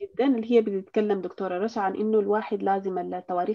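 A woman talks at a medium pitch, her intonation fairly even. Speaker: human resources trainer. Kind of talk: webinar lecture. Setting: video call.

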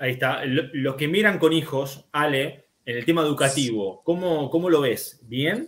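Speaking at a fairly slow pace, a man with fairly high pitch shows ordinary pitch variation. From Argentina. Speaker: livestream host interviewing emigrants. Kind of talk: live-streamed interview. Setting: online live stream with chat. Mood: friendly, upbeat. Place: home room. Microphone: webcam.

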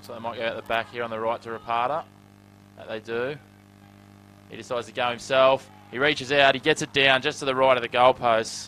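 Over music in the background, a man with a medium pitch talks at a very fast pace, with long, frequent pauses and big swings in loudness. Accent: Australian. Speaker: rugby league commentator. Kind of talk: live rugby league commentary. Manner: fast, clipped play-by-play delivery; excitable, rising with each try.

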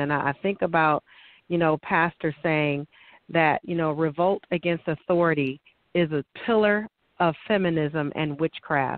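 It is an ordinary speaking voice, a woman's, fairly low in pitch with fairly even intonation. She speaks at a moderate pace, in a dry sound with no echo and a quiet background. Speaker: co-host. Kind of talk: religious discussion. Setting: phone call. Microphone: phone line.

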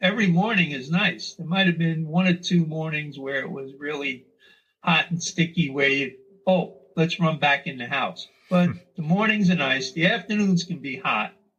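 Speaking at a moderate pace with a New York accent, this man has a high voice and ordinary pitch variation. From Brooklyn and Staten Island, New York. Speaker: retiree. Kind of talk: podcast interview answer.

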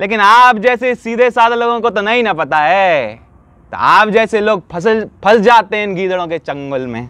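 The sound is dry with no echo as a man talks at a fairly slow pace in a bright, sharp tone. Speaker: actor performing a character sketch. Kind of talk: comic acting monologue. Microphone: phone near.

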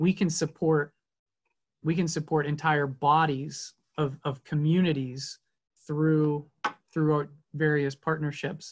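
A man with an American accent and a fairly high pitch speaks at a fairly slow pace in a monotone, flat intonation, somewhat breathy, with very even loudness and long, frequent pauses, against a quiet background. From Pittsburgh; Pennsylvania. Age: 30s. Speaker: nonprofit executive director; interview guest. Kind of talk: casual interview. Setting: video call. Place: home room.

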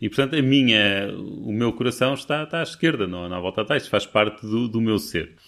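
Against a quiet background, a man's lively intonation comes through at a moderate pace. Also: hardly any pauses. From Portugal, Coimbra; Portugal. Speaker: economics professor. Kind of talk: casual interview. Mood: relaxed, friendly. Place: studio. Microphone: studio mic.

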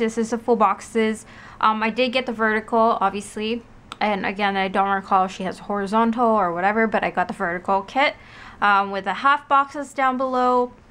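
Her bright, sharp tone shows ordinary pitch variation as this woman speaks. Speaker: planner hobby vlogger. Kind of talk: casual vlog chat. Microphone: camera far.

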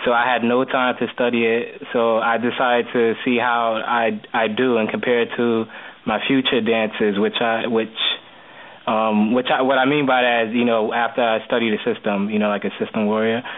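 Noticeable background noise sits behind a man with a medium pitch. He talks at a moderate pace in a monotone, flat delivery, his loudness very even. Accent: American. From New York. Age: 20s. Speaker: caller. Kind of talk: reading aloud. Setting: phone call. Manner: halting.

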